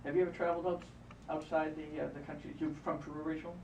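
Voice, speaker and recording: Fast-talking man coaching in a roomy hall. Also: fairly high pitch, level tone, noisy background. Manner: coaching, repetitive, encouraging. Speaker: hypnotist. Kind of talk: guiding a live NLP exercise. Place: event room. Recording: roomy, distant, muffled live event recording.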